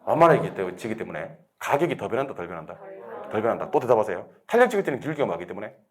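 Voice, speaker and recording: A man lecturing a real estate exam class, drilling students with quick questions and answering them himself. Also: fairly low pitch, very animated, breathy edge. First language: Korean.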